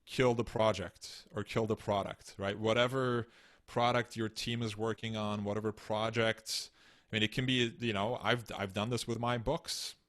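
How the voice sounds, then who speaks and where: A man in his thirties from Turkey, explaining ideas in measured, earnest interview answers over a video call. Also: fairly low pitch, level tone, a bit bright. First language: Turkish. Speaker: guest author. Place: home room, indoors. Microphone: studio mic on stand, video call.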